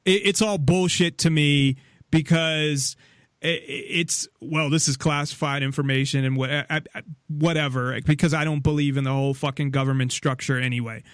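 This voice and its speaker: A man with a fairly high voice argues politics in blunt, profane bursts, often cutting across the other speaker. The sound is dry and close, with no room around it. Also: steady tone, normal speed, fairly bright tone, smooth, dry recording. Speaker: podcast host. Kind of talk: heated political discussion.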